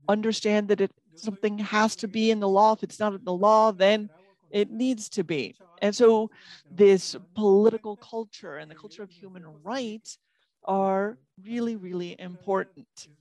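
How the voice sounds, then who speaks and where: A woman from Nicaragua giving measured, formal remarks as a panel speaker, occasionally halting and restarting. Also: medium pitch, darkish tone, dry recording. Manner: measured, slightly halting, policy-minded.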